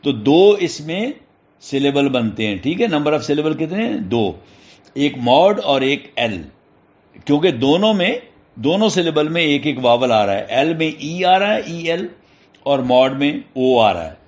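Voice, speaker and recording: A man's voice: on the high side, very animated, dull audio. Patient male teacher spelling words. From Pakistan. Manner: checks in often with short questions. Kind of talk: classroom lesson explaining English syllables.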